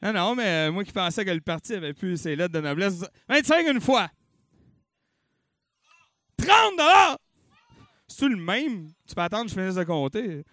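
At a comedy-night auction, a young Québécois host with a voice that sits high bellows bids and jokes between them, animated and bouncy. He speaks fairly quickly with hardly any pauses, in a dry, studio-quality recording.

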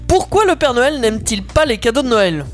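A man on a casual panel reads jokes aloud in a playful tone. His voice is high and his delivery rapid. Faint music plays under him. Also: very animated.

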